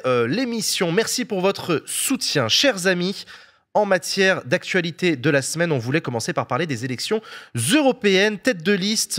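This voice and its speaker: A man hosting a political talk show in a studio, lively and pausing often on fillers. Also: sits high. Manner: lively, many filler pauses. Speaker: host. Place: TV-style studio set with audience.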